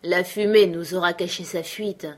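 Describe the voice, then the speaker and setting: A woman reading the part of a gruff, weary adult male trapper in a storybook, grumbling and dismissive. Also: fairly low pitch, fairly even intonation, normal speed, close to an everyday voice. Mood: emphatic.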